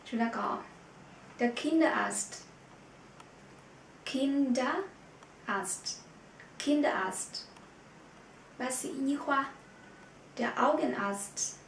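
A woman teaching a language vocabulary lesson. She repeats each word slowly and clearly and often pauses on filler sounds. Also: a little high, far from the mic. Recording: echoey room with faint background noise.

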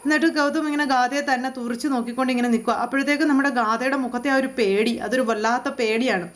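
High, rapid-talking woman recapping a serial. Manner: chatty and animated, addresses the listener directly. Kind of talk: casual spoken retelling of a TV serial episode.

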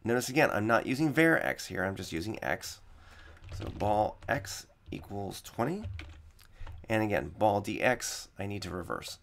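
Raspy-voiced man teaching code step by step. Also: lowish voice, lively intonation, moderate pace, fairly bright tone. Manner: explains step by step, repeats key points. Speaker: coding teacher. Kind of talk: screen-recorded coding tutorial.

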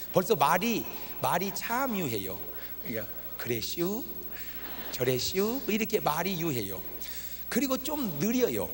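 A male pastor with a high-pitched, fairly bright voice preaches at a revival meeting in a church hall, joking and teasing the congregation with quiz questions. The audio comes from a TV broadcast of the reverberant hall and carries a little hiss or hum.

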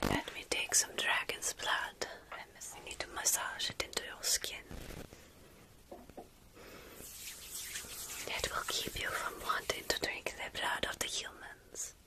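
A woman playing a gentle, centuries-old vampire caretaker in a soothing whispered ASMR roleplay. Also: low-quality recording. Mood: soothing, tender. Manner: slow, soothing, measured whispering. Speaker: ASMR performer.

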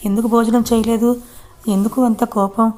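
A woman's voice: on the high side, flat delivery, brisk, darkish tone, a little hiss or hum, natural voice. A woman voicing an affectionate, teasing young man in a plain storytelling voice. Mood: caring.

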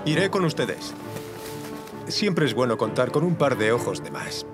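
A man voicing a calm, reasonable village gentleman in a cartoon dub. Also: medium pitch, measured pace, music in the background. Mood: calm, reasoning. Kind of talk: animated series dubbing.

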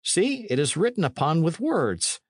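A man voicing an earnest, reproachful young medieval gentleman in an audiobook, speaking formal archaic English. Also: a little high, big pitch swings, moderate pace, slightly rough, no room sound, studio quality, pitched above the performer's own voice.

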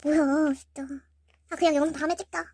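A woman's voice: high-pitched, steady tone, fairly quick, darkish tone, no echo. A teenage girl hosting a video, chatting casually with a friend and narrating to viewers. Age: teens, about middle-school graduation age. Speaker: host of a slime-making prank video.

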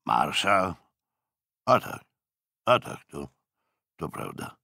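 A man acts out a tipsy veteran naval lieutenant from a sea novel. His voice is husky and gravelly, leaping widely in pitch. He rambles cautiously through his gossip, grumbling and hesitating as he goes. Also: very animated, very slow, sharp tone, no room sound, studio quality, heavily acted. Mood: guarded. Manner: hesitant, rambling, with trailing interjections.

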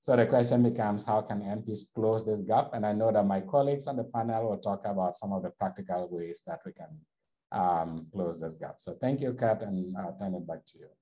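A man's voice: fairly low pitch, a little fast, warm tone, muffled recording. A man presenting survey findings over slides in a webinar, explaining steadily with frequent restarts.

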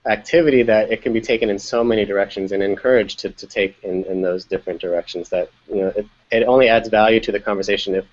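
Man, education media producer, casual call chat; lowish voice, stop-start phrasing, muffled web audio. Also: fairly even intonation. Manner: halting, restarts phrases often. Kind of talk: casual video-call discussion. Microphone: video call. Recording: dull lo-fi video call audio.

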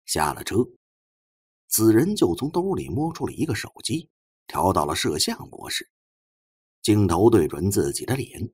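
A man's voice: lowish voice, very animated, moderate pace, pauses often, husky, no echo, clean studio sound. A man reading an audiobook as a dramatic, scripted narration.

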